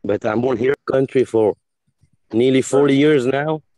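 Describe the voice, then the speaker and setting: A man from Senegal in his forties, whose first language is French, talks haltingly on a video call, restarting his phrases often. His voice sits at a middle pitch. The sound is dry and close, with no room echo. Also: mellow. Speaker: panelist. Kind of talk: online panel discussion.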